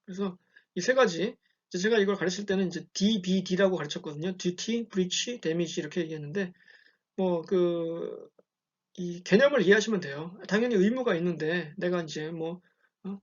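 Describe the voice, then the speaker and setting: A man's voice: high voice, moderate pace. Conversational Korean male lecturer. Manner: conversational, frequent "예" check-ins, storytelling examples. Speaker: university lecturer. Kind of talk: recorded lecture. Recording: dull lo-fi recording.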